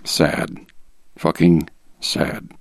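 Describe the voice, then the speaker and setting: A man's voice: drawn-out words, no echo, studio quality. A man, a podcast guest, giving a dramatic reading of text messages in short, terse phrases.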